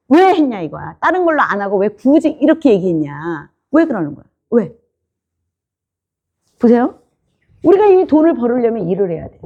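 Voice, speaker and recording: A woman's voice: high voice, muffled recording. A woman pastor preaching a sermon in an informal, questioning way, often asking the congregation whether they understand.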